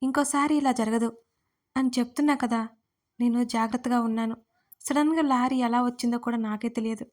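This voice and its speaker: A woman's voice: on the high side, steady tone, fairly quick, a little mellow, natural voice. A woman doing a spirited, pleading young wife.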